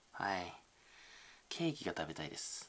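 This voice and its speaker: A man's bright, sharp voice at a moderate pace against a quiet background. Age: 20s. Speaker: YouTuber. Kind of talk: casual chat. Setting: home room. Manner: distinctive intonation. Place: home room. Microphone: phone near.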